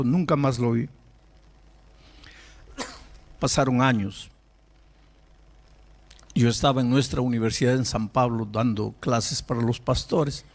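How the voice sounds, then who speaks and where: His mid-range voice carries a sermon story with emphasis and animation. The male pastor keeps cutting himself off and restarting his words.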